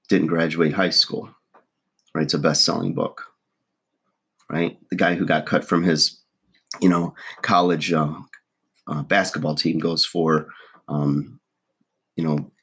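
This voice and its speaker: A man talks straight to camera, his voice deep and rough with early-morning frogginess. He rambles through casual advice, stacking fillers and restarts as he thinks aloud. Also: a bit bright. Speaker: vlogger giving relationship advice. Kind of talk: casual talking-to-camera monologue.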